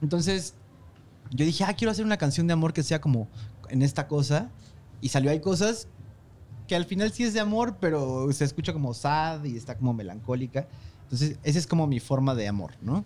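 A somewhat breathy voice with a dark, mellow tone moves at a fairly quick pace through very wide pitch swings and long, frequent pauses. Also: man. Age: 30s. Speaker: musician; guest. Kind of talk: casual chat; interview answer. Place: studio. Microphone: studio mic.

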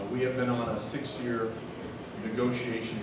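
A man talks at a moderate pace over loud background noise, with audible room echo. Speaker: county commissioner candidate. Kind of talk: candidate forum answers. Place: hall. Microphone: podium.

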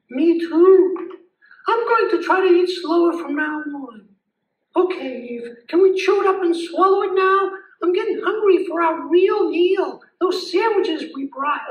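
A cartoonish character voice sits at an extremely high pitch. It moves at a moderate pace with a slight echo. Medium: puppet show. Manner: chatty, eager, impatient.

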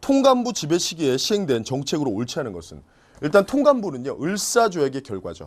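A man with a high-pitched voice talks at a moderate pace, his pitch swinging very widely. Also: very clean recording, silent background. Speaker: history exam lecturer. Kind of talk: lecture.

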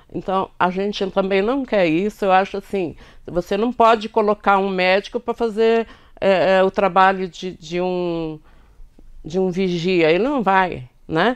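In a quiet background, a woman talks at a fairly slow pace with ordinary pitch variation. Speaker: retired teacher and union candidate. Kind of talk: interview. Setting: studio. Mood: earnest, determined. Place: studio.

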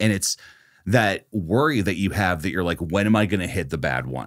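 There is vocal fry in this man's voice, heard over a quiet background. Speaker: podcast co-host. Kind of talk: casual podcast chat. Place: studio. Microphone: studio mic.

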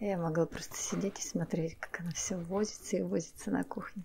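Soft-spoken and gentle in tone, the voice moves at a moderate pace. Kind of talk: calm ASMR cooking narration. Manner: soft-spoken gentle ASMR narration.

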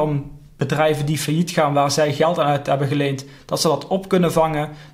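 A man at a fairly quick pace, with monotone, flat intonation and a quiet background. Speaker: investing channel host. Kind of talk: educational commentary. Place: home room.

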